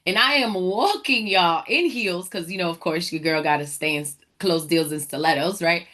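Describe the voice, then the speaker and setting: A woman's voice: on the low side, normal speed, fairly bright tone. A woman from the Dominican Republic hosting a motivational faith talk, speaking energetically and preacherly and addressing listeners as y'all. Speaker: podcast host, entrepreneur.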